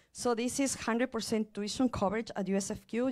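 A woman with a Spanish accent. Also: quiet background. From Ecuador. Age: 40s. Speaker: environmental engineering professor. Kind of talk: conference presentation. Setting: stage with audience. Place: hall.

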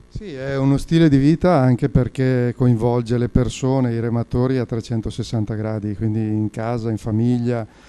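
With hardly any pauses, a man speaks at a moderate pace in a dark, mellow tone and fairly even intonation. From Lake Garda area, Lombardy, Italy; Lombardy, Italy. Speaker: traditional rower; panelist. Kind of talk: public talk at a community event. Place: meeting room. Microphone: handheld.

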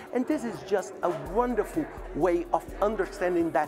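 A man speaks at a moderate pace while clear music sounds behind him. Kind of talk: interview answer. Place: hall. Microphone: lapel.

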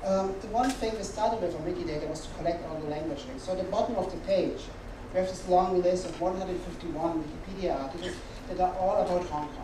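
A woman talks at a fairly quick pace with ordinary pitch variation, amid noticeable background noise and audible room echo. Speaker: conference presenter. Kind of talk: lecture. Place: hall.

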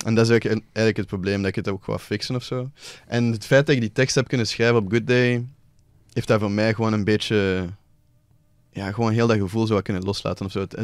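The voice moves at a fairly quick pace with fairly even intonation. The background is quiet and the sound is dry with no echo. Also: man, fairly low pitch for a man. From Belgium, Antwerp; Belgium. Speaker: rapper and singer; guest. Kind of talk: casual interview chat. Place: studio. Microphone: studio mic.

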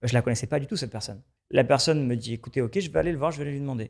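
A man rushes through his words at a very fast pace, with quiet all around. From Paris suburbs, France; France. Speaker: entrepreneur and investor; guest. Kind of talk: interview. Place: studio. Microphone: studio mic.

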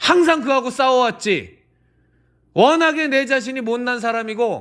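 A man speaks in a raised, projected voice with an extremely high pitch and a bright, sharp tone. The recording is very clean, with a silent background. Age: 50s. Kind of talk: appeal to viewers. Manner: impassioned.

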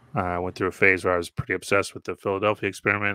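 Against a quiet background, a man speaks in a fairly low pitch with a bright, sharp tone and monotone, flat intonation, the sound dry with no echo. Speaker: researcher of old newspaper archives. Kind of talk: casual panel discussion. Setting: video call. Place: home room.

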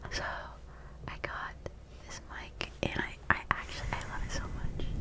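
Whispering at a fairly slow pace. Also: woman. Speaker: ASMR content creator. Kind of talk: casual talk to camera. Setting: studio, close-mic recording with headphones. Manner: casual, chatty, hesitant. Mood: cheerful, excited. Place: home room. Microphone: studio mic.

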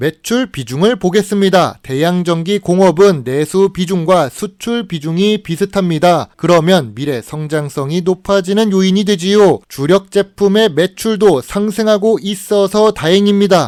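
A man talks with a high pitch and hardly any pauses. His pace is fairly slow, with ordinary pitch variation. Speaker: dividend stock investing youtuber. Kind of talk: scripted stock analysis narration. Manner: formal, steady, explanatory.

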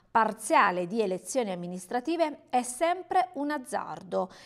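In a plain, everyday voice, a woman talks at a fairly slow pace and fairly high pitch. The recording is very clean with a silent background. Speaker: newspaper review presenter. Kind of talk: newsreading of press headlines and quoted columns. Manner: formal, steady reading pace.

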